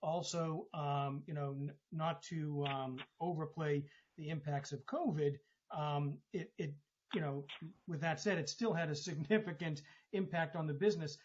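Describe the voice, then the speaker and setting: A man speaking as a company executive, giving an explanatory answer on an earnings call in measured, halting short phrases. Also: on the high side, a little hiss or hum. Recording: dull conference phone line.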